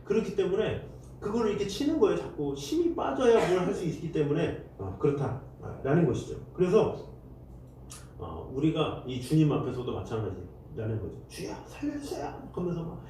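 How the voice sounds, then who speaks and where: A male pastor preaching a Sunday sermon, his pitch swinging widely as he acts out desperate prayers and cries. His voice is mellow and fairly high for a man. It rings through a very echoey church hall, picked up from a distant mic. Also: big pitch swings, normal speed, slight background noise. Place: church sanctuary.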